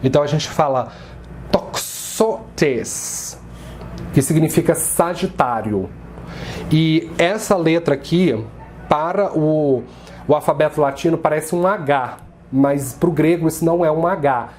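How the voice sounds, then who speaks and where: A man from Brazil teaching an introductory lesson, slowly spelling out words and drilling their pronunciation. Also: on the high side, darkish tone, a little hiss or hum. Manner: slow, careful pronunciation drills. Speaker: astrology teacher.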